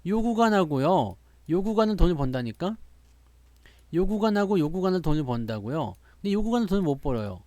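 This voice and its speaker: A man's voice: high-pitched, a little mellow, dry recording. A man hosting a stock market show, talking casually and boastfully with many rhetorical questions.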